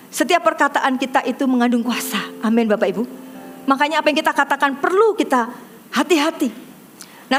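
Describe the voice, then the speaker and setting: A middle-aged woman pastor preaching a sermon in a church service, with an Indonesian accent, telling a personal story with animated delivery and speaking directly to the congregation. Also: sits high. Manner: animated storytelling, acts out quoted voices, addresses congregation directly.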